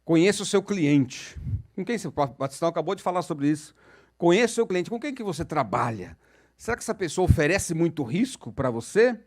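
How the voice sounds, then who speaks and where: A man's voice: fairly high pitch, sing-song, a little fast, darkish tone. A middle-aged man with a São Paulo accent, moderating a panel in an auditorium and telling a jokey story to the audience. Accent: São Paulo Portuguese. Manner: chatty, jokey, asks the crowd questions.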